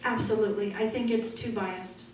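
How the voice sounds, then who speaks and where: A middle-aged woman speaking as a political candidate at a forum, loud and forthright in a conversational way. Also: mid-range voice, steady tone, normal speed. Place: meeting room. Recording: echoey room from far off, noisy.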